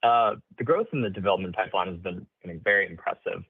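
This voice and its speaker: A man's voice: sits low, fast, vocal fry, breathy edge, dry recording. A man asking questions as an analyst in a conversational way over a muffled phone line. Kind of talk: earnings call question, conversational.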